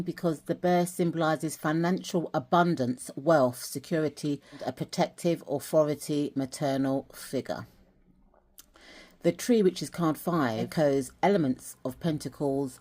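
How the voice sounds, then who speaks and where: A woman's voice: low voice, dark tone. A woman from England chatting casually in a vlog as she shows dolls and a journal, rambling a little with restarts. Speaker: vlogger.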